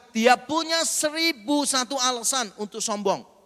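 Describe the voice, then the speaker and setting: A man's shrill voice carries a bright, sharp tone, an animated delivery and lively intonation. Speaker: preacher. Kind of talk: sermon. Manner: casual, animated.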